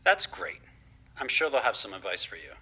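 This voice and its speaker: An actor playing a worried, protective older father in an audio drama, gently cautioning and a little hesitant. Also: fairly low pitch, very animated, normal speed, husky, full character voice. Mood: easygoing. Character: worried, protective older dad, homebody tinkerer. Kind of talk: naturalistic audio drama acting.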